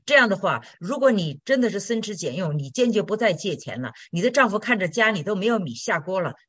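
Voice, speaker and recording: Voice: medium pitch, fairly bright tone, no room sound. Blunt Christian teacher answering questions, plain everyday chat, dry close sound. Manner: direct, blunt, colloquial with tag questions. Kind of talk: sermon-style Q&A.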